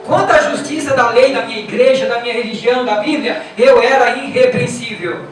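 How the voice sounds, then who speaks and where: A man with a Brazilian Portuguese accent preaches in an emphatic, repetitive way, firing rhetorical questions at his congregation. His voice is heard from a distance with heavy echo, and music plays clearly behind him. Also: extremely high pitch, brisk. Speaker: pastor. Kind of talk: sermon. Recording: echoey church from afar with music.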